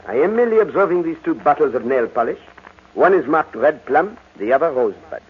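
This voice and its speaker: An actor playing a fussy, shrewd detective with a French accent in an old-time radio drama, theatrical and deliberate. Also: male voice, a little high, very animated, husky, heavily acted. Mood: theatrical, self-assured. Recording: muffled, noisy old radio recording.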